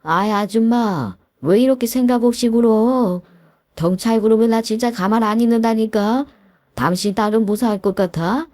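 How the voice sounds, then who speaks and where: A woman's voice: low voice, a little slow, no echo, clean studio sound. A woman voicing a crude, bullying young male thug who threatens and sneers in an audio story. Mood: threatening. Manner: sneering, threatening, shouts in bursts. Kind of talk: Korean audio story acting.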